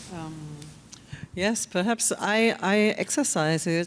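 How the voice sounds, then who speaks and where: A woman with a non-native accent speaks at a fairly slow pace and a medium pitch. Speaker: sculptor. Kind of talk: panel discussion. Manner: halting.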